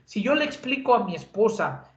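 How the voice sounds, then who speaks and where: A man's voice: sits high, sing-song, a little fast, creaky. A man with a Mexican accent giving a conversational lecture as an instructor, with many filler sounds and tag questions. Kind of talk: lecture on communication. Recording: roomy, dull lo-fi sound.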